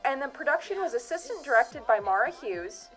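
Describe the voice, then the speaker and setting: Higher-voiced woman announcing drama credits. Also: sing-song, brisk, a bit bright, soft background music, poor audio. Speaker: director reading closing credits.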